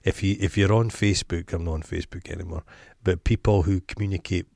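A man's voice: low-pitched, steady tone, fast, creaky, darkish tone, dry recording. A Scottish man hosting a podcast, chatting casually in a blunt, opinionated way and swearing freely. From Scotland. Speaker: podcast host. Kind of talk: casual chat.

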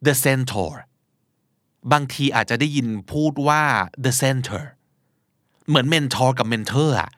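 A man's voice: mid-range voice, fairly bright tone, dry recording, clean studio sound. A man with a Thai accent, hosting a pronunciation lesson and spelling English words out letter by letter.

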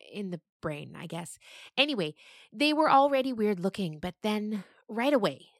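A woman's voice: medium pitch, no room sound, studio quality, close to an everyday voice. A woman voicing a patient goat storyteller. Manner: storytelling, gently correcting.

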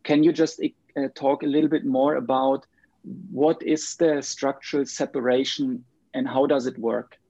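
A male interviewer with a German accent speaks in a mellow, gravelly voice, measured and conversational. The audio is dry and a little dull. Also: mid-range voice, flat delivery, no room sound. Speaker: interviewer, host.

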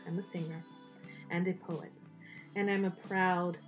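A woman's voice: lowish voice, flat delivery, measured pace, over music. A woman who is a writer and singer, speaking earnestly to camera about a project close to her heart. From Salvadoran heritage.

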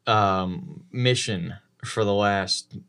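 A man co-hosting a podcast, telling casual anecdotes in an animated way. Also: on the low side, extremely slow, smooth. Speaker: podcast co-host.

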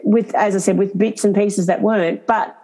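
A woman's voice: mid-range voice, steady tone, moderate pace, mellow, faint music behind. A middle-aged Australian woman with an Aboriginal Australian accent, talking casually and emphatically, repeating phrases for stress. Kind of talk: casual conversation.

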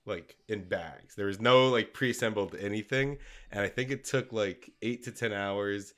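Congested male podcast co-host, lowish voice, loose rambling chat full of fillers. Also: normal speed, a bit bright. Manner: rambling, many fillers and restarts. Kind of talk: casual chat.

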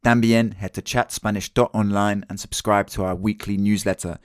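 A man's voice: lowish voice, steady tone, a little slow, clear, resonant tone. A man from England with an English accent, a native English speaker, hosting a casual podcast interview. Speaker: podcast host.

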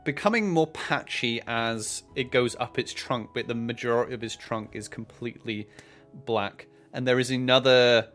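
A man working as game master, improvising descriptive narration for a tabletop game with hesitant pauses mid-phrase. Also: mid-range voice, fairly bright tone, soft background music.

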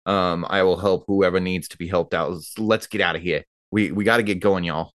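A man with a fairly low voice talks through his moves as a player in a tabletop game. He speaks casually and improvises, recorded close with a dry sound. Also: fairly even intonation, fairly quick, fairly bright tone, dry recording. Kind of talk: casual improvised role-play.

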